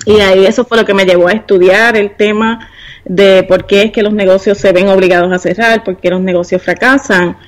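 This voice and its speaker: A woman in her forties from Puerto Rico with a Puerto Rican accent, a university professor and business consultant interviewed as a podcast guest, explaining things in a measured way. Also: mid-range voice, steady tone. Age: 40s.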